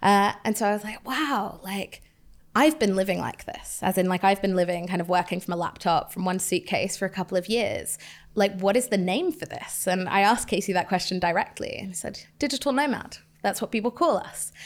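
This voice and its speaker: A woman's medium pitch varies in an ordinary way as she moves at a fairly quick pace. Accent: British. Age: 20s. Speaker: author. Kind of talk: casual chat.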